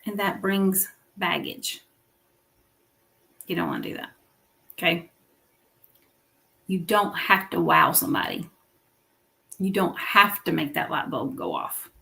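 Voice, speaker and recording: A woman's voice: lowish voice, very animated, takes it slowly, vocal fry, pauses often, bright, forceful tone. A woman hosting a weekly business livestream, coaching viewers in an encouraging teaching style and often checking in with "okay?" and "right?".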